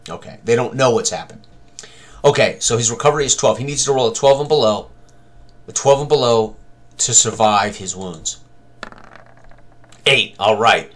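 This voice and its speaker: A man's voice: medium pitch, normal speed, pauses often, a bit bright. An older man thinking aloud as game master, narrating a tabletop combat tutorial with dramatic turns of phrase. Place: small room indoors at a computer.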